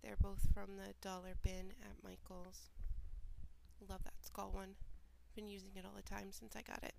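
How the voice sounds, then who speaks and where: A woman with a head cold narrates her craft project, her voice stuffy and nasal, with a gravelly edge. She talks in an even, fairly flat tone, explaining each step plainly and adding small asides. Faint noise sits under the voice. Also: medium pitch, moderate pace. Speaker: mixed media artist. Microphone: home voiceover recording.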